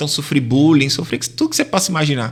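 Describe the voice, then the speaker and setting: A man's fairly high voice at a very fast pace. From Northeast Brazil, Natal (Rio Grande do Norte). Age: 30s. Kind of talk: testimony.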